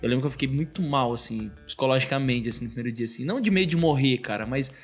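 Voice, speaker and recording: Guy in his 30s rattling off a story super quick, keeps saying "cara", faint music under it. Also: medium pitch. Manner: animated storytelling, constantly says "cara". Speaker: podcast guest. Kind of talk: casual testimony chat.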